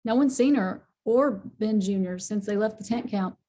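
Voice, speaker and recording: A woman's voice: medium pitch, normal speed, dark tone, natural voice. A woman playing a tough, plainspoken miner's wife in a script read, wry and colloquial. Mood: matter-of-fact. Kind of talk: screenplay table read.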